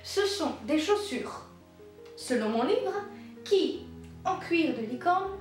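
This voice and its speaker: A woman voicing a medieval abbess who softly pitches unicorn remedies in a whispery, ASMR-like way, recorded in a very echoey room. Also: animated, takes it slowly, faint music behind. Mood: soothing. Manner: soft ASMR-style sales pitch.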